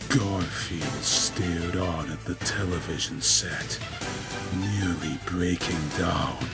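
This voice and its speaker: A man's voice: deep voice, gravelly, pushed and bright. A man narrating a comic story in a dramatic, grandiose, mock-epic manner.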